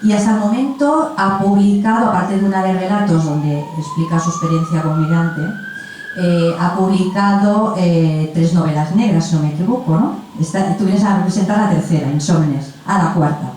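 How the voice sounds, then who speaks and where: A woman's voice: on the low side, big pitch swings, moderate pace, a little mellow. A woman moderating a literary panel, introducing guests in a chatty, effusive and informal way. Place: event room at a festival. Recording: echoey room, distant mic, faint noise.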